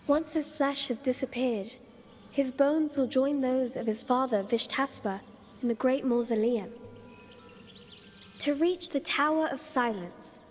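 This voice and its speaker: An actress playing an enigmatic, playful girl guide in a mythic Persian video game, with a cryptic, gently teasing manner. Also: high-pitched. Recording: long reverb, faint music behind.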